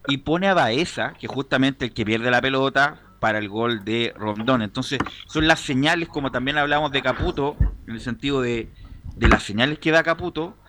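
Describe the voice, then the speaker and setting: A man's voice: mid-range voice, normal speed, background noise. A man hosting a football panel, talking assertively and listing points. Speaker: host. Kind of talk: sports talk debate.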